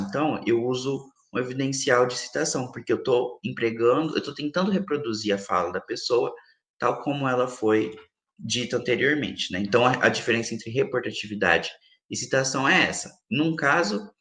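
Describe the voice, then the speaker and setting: A man's voice: medium pitch, a bit bright. Brazilian man explaining, roomy echo. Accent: Brazilian Portuguese. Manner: patient, explains with many examples, frequent tag questions. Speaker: linguistics professor, interview guest. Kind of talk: explanatory academic interview answer.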